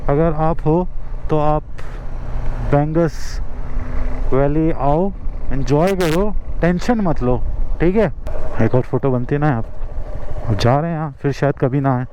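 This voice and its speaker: A man's voice: fairly high pitch, warm tone, a little hiss or hum, low-quality recording. Indian man, travel vlogger, casual outdoor chat into a camera mic, faint ambience behind. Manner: chatty, mixes Hindi with English phrases. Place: outdoors in a mountain valley. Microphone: camera's built-in mic after the mic battery died.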